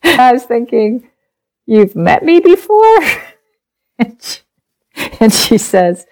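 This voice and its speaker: A middle-aged woman whose first language is German, a podcast guest telling a personal story with lively laughter and acted-out quotes. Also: a little high, takes it slowly. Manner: animated, laughs often, acts out quoted speech.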